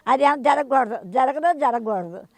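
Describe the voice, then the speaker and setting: A woman's voice: high voice, expressive, normal speed, no room sound. An older woman interviewed on the street, talking emphatically and rambling, repeating herself. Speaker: interviewed voter.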